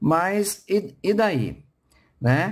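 A man's lively intonation comes through a very clean recording with a silent background. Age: 60s. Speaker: spiritual author and teacher. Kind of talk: video monologue. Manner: halting, many repetitions; direct.

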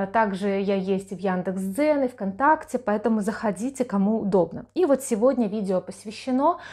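A woman's fairly high, dark, mellow voice with lively intonation at a fairly slow pace over a quiet background. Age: 30s. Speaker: beauty vlogger. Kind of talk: vlog monologue. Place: home room. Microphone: lapel.

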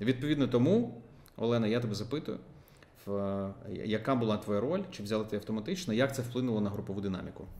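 In a room with audible echo, a man with a dark, mellow tone talks at a very fast pace with long, frequent pauses and ordinary pitch variation. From Ukraine. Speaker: podcast host, journalist and business coach; podcast host. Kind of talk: interview. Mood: warm, empathetic. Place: home room. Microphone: earbuds.

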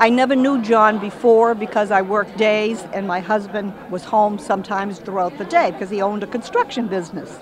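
A woman talks at a fairly quick pace with hardly any pauses and ordinary pitch variation. The sound is dry with no echo, with crowd noise in the background. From New England. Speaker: friend of the deceased. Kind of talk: memorial tribute. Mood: warm, fond storytelling. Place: hall. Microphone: handheld.

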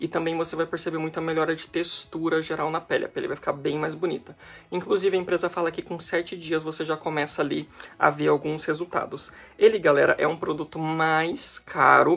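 This man talks at a fairly quick clip in a flat, monotone delivery. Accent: Brazilian. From Brazil. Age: 30s. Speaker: skincare YouTuber. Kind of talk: product review. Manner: casual, many filler words. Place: home room.

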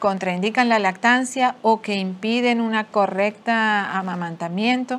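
A woman at a fairly slow pace, fairly high in pitch with ordinary pitch variation. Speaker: health professional. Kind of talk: expert explanation. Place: studio.

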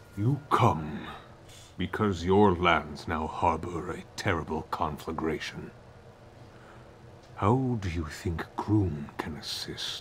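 A man puts on a solemn, rumbling character voice, very deep and low in pitch. He speaks very slowly with long, frequent pauses, and background noise is clearly audible. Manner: solemn, cryptic, testing.

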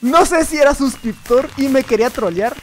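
A man with a Mexican accent speaks at an extremely high pitch over noticeable background noise. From Mexico. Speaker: gaming youtuber. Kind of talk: live gameplay commentary. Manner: animated.

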